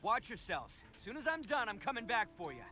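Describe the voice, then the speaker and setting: Brash oni gang boss, lively swings. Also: male voice, very high voice, fairly quick. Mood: rallying, defiant. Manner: cocky, boisterous, informal. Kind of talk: English video game voice acting. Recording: loud game music behind.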